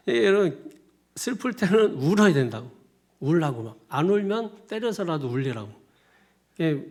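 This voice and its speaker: A male pastor with a fairly high-pitched, darkish voice delivers a sermon loosely and conversationally. He often repeats himself and chuckles at his own colloquial asides.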